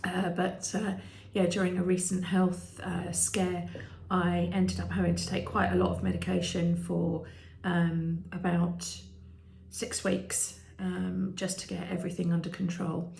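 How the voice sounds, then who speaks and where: Croaky, gravelly British woman in her fifties. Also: lowish voice, completely flat delivery, measured pace, darkish tone, slight background noise. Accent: British English. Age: 50s. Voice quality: croaky at times. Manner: hesitant, many ums and restarts. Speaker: vlogger. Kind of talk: candid personal vlog. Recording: echoey room.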